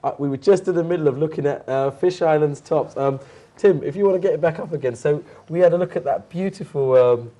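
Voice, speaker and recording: A man's voice: on the high side, brisk, hardly any pauses, dark tone. A man hosting a studio football talk show, chatting casually with hesitant ums and playful jokes. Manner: hesitant, lots of ums and restarts, jokey. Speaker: host.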